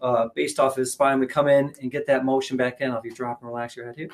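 A man appearing as a chiropractor guest, speaking calmly as he explains care to viewers. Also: mid-range voice, quick pace. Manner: calm, explanatory, reassuring. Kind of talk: casual explanation.

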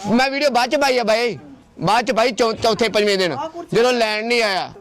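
An ashram caretaker from Tarn Taran district in Punjab talks insistently in a confrontational on-location video, repeating his points and quoting phone calls. His voice is very high-pitched, a bit bright, and fairly quick.

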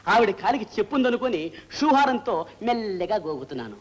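A down-on-his-luck comic friend in an old film, spinning his troubles into a rambling tale in a very high, bright voice. He sounds like a clown who laughs at his own bad luck. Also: big pitch swings, a little fast, slight background noise. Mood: sheepish. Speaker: comic sidekick. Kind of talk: 1960s film comedy dialogue.

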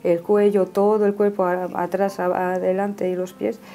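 Woman in her 30s sharing her testimony, mellow warm tone, keeps tagging "no?" onto her sentences. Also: medium pitch, little pitch movement, moderate pace. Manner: earnest, ends phrases with a questioning "no?". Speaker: guest giving a faith testimony. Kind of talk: personal testimony in conversation.

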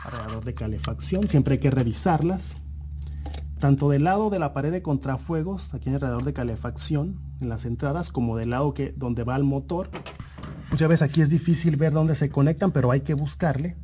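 A man explains engine parts in a steady, methodical way, often repeating a point to make it stick. His voice is mellow and relaxed at a middle pitch. A faint hiss of noise sits under the recording. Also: a little fast. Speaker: auto mechanic instructor. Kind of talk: explanatory car repair tutorial voice-over.

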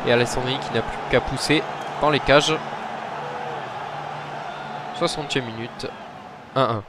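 A man commentating his own football video game match, muttering between plays and shouting when goals go in. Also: medium pitch, measured pace, noisy background. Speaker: gaming commentator.

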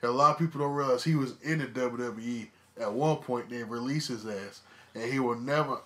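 A man's voice: medium pitch, a little fast, bright, forceful tone. A man co-hosting a casual wrestling podcast, blunt and profane, stressing his opinions by repeating words. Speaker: podcast co-host.

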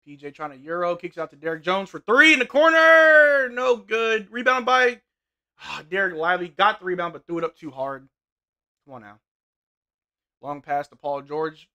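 A young man doing live play-by-play and chat reading while watching a game, his voice getting hoarse, in a small room at a desk mic. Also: sits high, moderate pace. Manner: play-by-play calls mixed with relaxed banter. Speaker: sports watch-along streamer. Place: small indoor room with gaming chair.

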